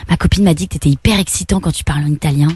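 A woman's voice: deep voice, racing, darkish tone. A woman making a flirtatious prank call, teasing and coaxing the man on the line. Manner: teasing, coaxing, breathy purring. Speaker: prank caller on a radio show.

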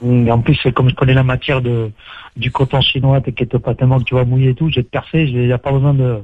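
A man speaks over a muffled phone line, chatting casually. He rambles and restarts his sentences, and his voice sounds slightly husky. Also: medium pitch, flat delivery, fast talker. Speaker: prank call target.

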